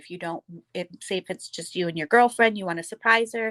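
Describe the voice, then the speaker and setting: With a bright, sharp tone and ordinary pitch variation, a woman is recorded very cleanly against a silent background, the sound dry and close with no echo. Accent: Wisconsin. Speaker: cat cafe owner. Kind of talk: interview.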